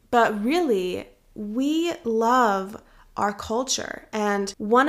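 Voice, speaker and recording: A woman's fairly high voice with an Iranian accent and ordinary pitch variation, in a very clean recording with a silent background. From US. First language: Farsi. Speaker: podcast host. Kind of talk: interview discussion about current events.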